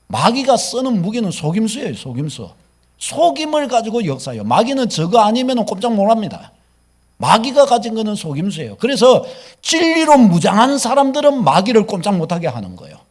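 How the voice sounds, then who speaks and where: Animated man preaching, high lively voice. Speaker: pastor. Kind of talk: sermon. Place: church sanctuary.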